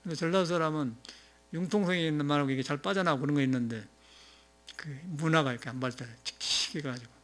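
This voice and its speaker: A Buddhist monk with a Jeolla accent giving a rambling, conversational dharma talk, often chuckling and dropping in filler sounds. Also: male voice, fairly high pitch, fast, a bit bright. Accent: Jeolla Korean. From Jeolla, South Korea. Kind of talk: informal sermon.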